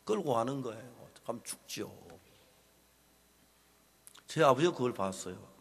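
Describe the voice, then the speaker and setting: An older man with a Gyeongsang accent, preaching a sermon as a pastor, telling a story with animated drama and turning often to the congregation. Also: medium pitch, unhurried, gravelly, husky. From Gyeongsang, South Korea. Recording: long reverb of a large hall.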